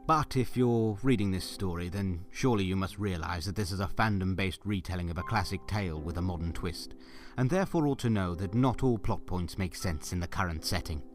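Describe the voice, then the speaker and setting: Guy narrating a story, kinda deep voice, audio drama style w light music behind. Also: brisk, hardly any pauses.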